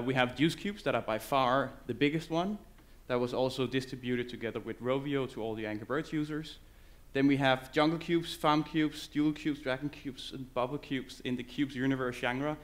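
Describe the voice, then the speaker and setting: Male conference speaker, English, loose and halting on stage. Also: medium pitch. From Denmark. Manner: loose, halting delivery with many fillers and restarts. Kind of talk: conference presentation.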